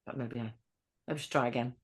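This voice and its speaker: British female storyteller as interview guest, low register, tentative and conversational. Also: steady tone, quick pace, breathy edge. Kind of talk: casual interview chat.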